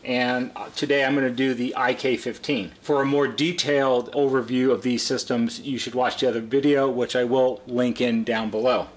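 A middle-aged man with a medium-pitched voice walks through a hands-on demonstration. He talks like a repair technician, in plain, unscripted language, explaining things one step at a time. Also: fairly even intonation, moderate pace, few pauses. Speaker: repair technician presenting a how-to video. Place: indoor workshop at a workbench.

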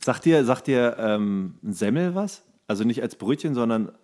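A man co-hosting a podcast in casual, comedic chat, often halting as he searches for words. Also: medium pitch, expressive, darkish tone. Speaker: podcast co-host.

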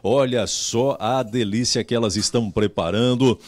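A middle-aged man with a Brazilian Portuguese accent hosts a live TV cooking segment in a home kitchen. He talks into a handheld mic in an upbeat, exclaiming way and keeps repeating words. His voice sits at a middle pitch and the sound is dry and close. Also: steady tone, normal speed, dry recording. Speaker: TV reporter.

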